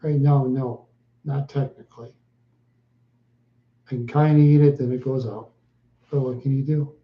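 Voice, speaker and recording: A man chatting slowly with viewers on a live stream, answering in short, halting phrases and often repeating himself. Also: medium pitch, steady tone, echoey room, lo-fi sound. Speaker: livestreamer.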